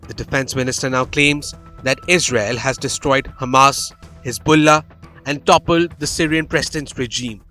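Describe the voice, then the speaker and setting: A man's voice: medium pitch, fairly even intonation, moderate pace, sharp tone, soft background music. A man reading a scripted news explainer as a voice-over, with a dramatic storytelling delivery, close on the microphone. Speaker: news narrator. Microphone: close studio voice-over microphone.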